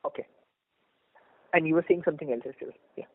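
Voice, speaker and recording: Higher-voiced Indian man on the phone. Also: quick pace. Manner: polite, hesitant questioning with frequent "you know". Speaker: analyst asking questions. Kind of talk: earnings call Q&A. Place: conference call. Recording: dry, narrow-band phone line.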